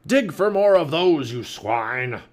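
A furious, bullying pirate captain from a children's storybook. He bellows gruff, commanding orders in a raised pitch, dragging the words out. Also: sing-song. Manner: bellowing, drawn-out shouted orders. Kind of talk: children's audiobook character voice.

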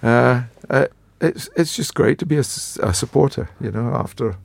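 A man in his seventies with a croaky voice, a retired football writer telling rambling, self-mocking stories in a casual chat. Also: medium pitch, moderate pace. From Scotland. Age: 70s.

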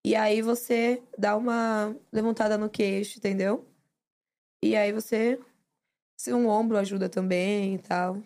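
A young woman from Brazil, a reality show winner chatting as a podcast guest, expressive and quick to laugh. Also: medium pitch. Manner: expressive, laughs often, storytelling. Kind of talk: casual podcast chat.

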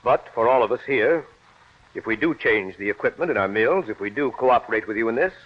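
An actor playing a skeptical mill owner with measured questions in an old radio drama. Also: male voice, mid-range voice, expressive, lightly acted. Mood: cautious. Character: skeptical male mill association member. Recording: dull lo-fi old radio recording.

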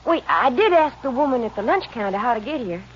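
A woman's voice: fairly high pitch, very animated, fast talker. A woman playing a guarded, careful young witness in an American 1950s radio drama. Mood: wary. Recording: noisy, dull vintage radio recording.

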